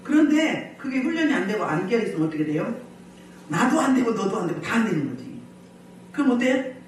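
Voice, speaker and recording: A woman pastor preaching a healing service sermon, animated, often putting questions to the congregation and laughing as she goes. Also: medium pitch, fairly quick, a little hiss or hum. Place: church hall. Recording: very echoey hall, mic at a distance.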